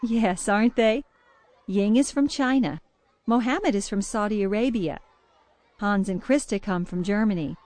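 An actress playing a friendly, chatty child care worker who answers a reporter's questions. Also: female voice, medium pitch, unhurried, darkish tone, natural voice. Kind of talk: scripted interview answers.

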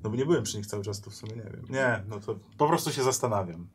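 A man's voice: lowish voice, quick pace, slight background noise. Casual male tabletop player. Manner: casual, reading rules aloud. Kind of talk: tabletop game chat.

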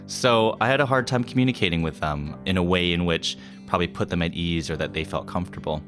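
A young man from Canada with a very low voice, answering interview questions in a relaxed, chatty manner. His talk is loose and full of fillers. Faint music plays underneath. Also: quick pace. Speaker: interview guest. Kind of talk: casual interview.

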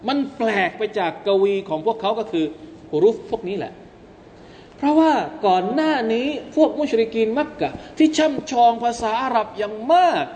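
Man, Quran commentary lecture, animated delivery, faint background ambience. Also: extremely high pitch, moderate pace, big-room sound, a little hiss or hum. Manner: animated, rising to emphatic peaks, addresses listeners as brothers. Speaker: Islamic teacher.

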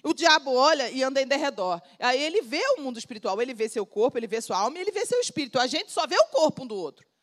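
Animated high-voiced Brazilian woman preaching. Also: fast. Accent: Brazilian Portuguese. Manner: emphatic, repetitive, animated preaching. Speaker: pastor. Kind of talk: sermon.

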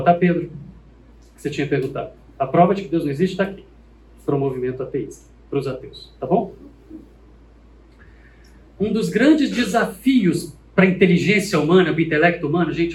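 A man teaching a lesson in a church classroom, animated and asking the class questions. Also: a little high, brisk, reverberant, rough recording.

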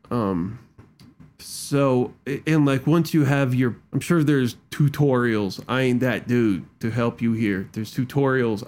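A man's voice: mid-range voice, a little mellow. Slangy man rambling at his desk mic. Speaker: tech video creator. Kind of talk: casual screen-recording walkthrough. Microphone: studio microphone at a desk.

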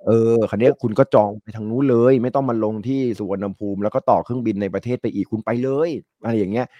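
A man's voice: on the low side, fast, no echo, muffled recording. A middle-aged man with a stuffy nose from a cold, chatting casually and rambling on a talk show. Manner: rambling, chatty, laughs often. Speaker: market analyst guest.

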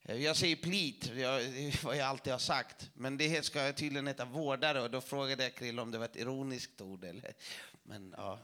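A man preaching to a church audience, telling a testimony story in a lively way with self-mocking jokes. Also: medium pitch.

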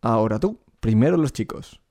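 A man teaching a singing lesson, explaining vocal technique clearly and speaking directly to the learner. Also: medium pitch, expressive, moderate pace, over loud music. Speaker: vocal coach.

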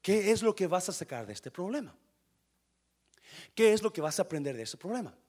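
A man preaching a sermon, asking the congregation questions and swinging from quiet asides to loud bursts, with English words in his Spanish. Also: high-pitched, sing-song, fairly quick. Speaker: pastor.

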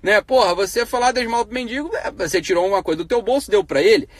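Blunt, profane man, husky voice. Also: high-pitched, fast talker, no room sound. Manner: blunt and profane, rhetorical questions; grows heated and emphatic. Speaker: live stream host. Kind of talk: casual live-stream monologue on ethics.

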